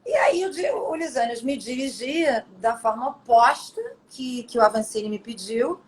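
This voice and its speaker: A middle-aged actress chatting as an interview guest, telling her stories in an animated, expressive way. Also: a little high, moderate pace, a little hiss or hum, poor audio. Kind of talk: casual storytelling interview.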